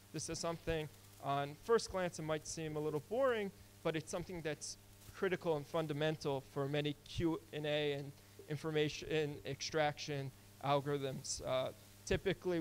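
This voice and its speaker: A man's voice: fairly high pitch, a little hiss or hum, low-quality recording. A young man giving a casual technical talk at a conference, with many fillers and restarts. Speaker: conference speaker. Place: conference hall.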